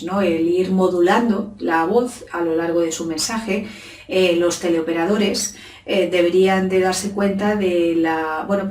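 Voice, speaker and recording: A middle-aged woman giving an unscripted video lesson on communication, pausing often with filler sounds. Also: on the low side, darkish tone, far from the mic. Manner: hesitant, many filler sounds. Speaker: communication trainer. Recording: roomy echo, set back from the mic.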